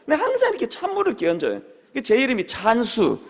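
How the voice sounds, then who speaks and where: Man, pastor, sermon, humorous storytelling, sudden shouts, very lively pitch, reverberant church. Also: fast, a little hiss or hum. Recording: long hall reverb.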